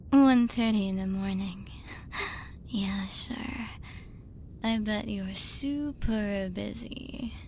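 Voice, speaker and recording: A woman's voice: mid-range voice, gravelly, a little mellow, a little hiss or hum. A woman playing a drunk, lonely young woman in an ASMR roleplay, rambling and giggling her way through a late-night voicemail with tipsy hesitations. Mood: teasing, tipsy.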